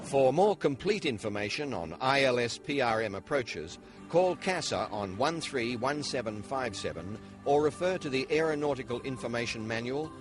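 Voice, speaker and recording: With music behind him, a male narrator delivers scripted training material. His mid-pitched voice is formal and measured, explaining procedures in an instructional way. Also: animated.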